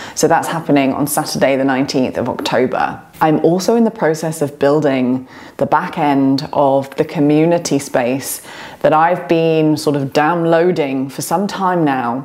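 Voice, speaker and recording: Against noticeable background noise, a woman with a very deep, low pitch speaks at a moderate pace with ordinary pitch variation. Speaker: spiritual coach. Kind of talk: spiritual talk to camera. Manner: slightly slurred speech.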